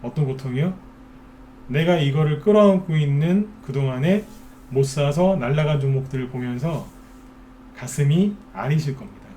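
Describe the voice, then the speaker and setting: A stock market commentator, a man with a slightly high voice, talks his audience through the market in a casual, chatty way. He keeps asking rhetorical questions and mimics anxious investors. A faint hiss of noise sits under the recording. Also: normal speed, dark tone. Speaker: stock market expert host.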